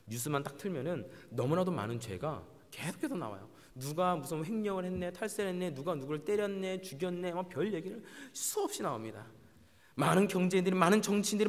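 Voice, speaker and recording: A man preaching a sermon as pastor, animated, acting out quoted voices with big swings between high and low. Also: long reverb tail.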